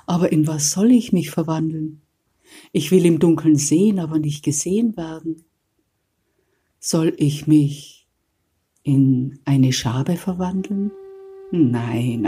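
A woman voicing a weary, timid old rat in a told fairy tale, fretting slowly over what to become. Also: deep voice, dark tone, breathy edge, heavily acted.

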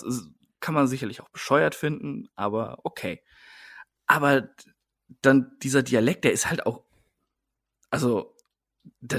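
A man co-hosting a casual wrestling podcast, ranting in an exasperated way. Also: mid-range voice. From Germany, Siegerland. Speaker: podcast co-host.

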